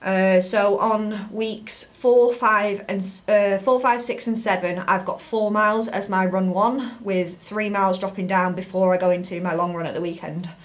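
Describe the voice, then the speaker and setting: A woman's voice: medium pitch, fairly even intonation, normal speed, few pauses. British woman, casual vlog chat. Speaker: fitness vlogger. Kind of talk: casual talk to camera.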